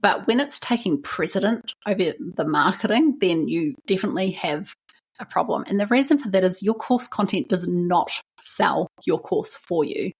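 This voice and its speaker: A New Zealand woman talks through her solo podcast episode in a chatty, encouraging way, often dropping in "you know." Her voice sits on the lower side and has a slightly husky edge. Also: lively intonation, normal speed. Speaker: podcast host.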